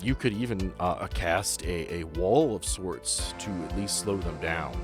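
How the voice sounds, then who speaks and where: A man's voice: low voice, expressive, a little slow. A man acting as game master, narrating and making rulings in a casual, easygoing, conversational way. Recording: music playing under the voice.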